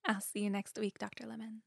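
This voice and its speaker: A woman's voice: medium pitch, flat delivery, moderate pace, creaky, very noisy, lightly acted. Dry, guarded young female student, played by a woman. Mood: amused. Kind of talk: audio drama acting, naturalistic dialogue.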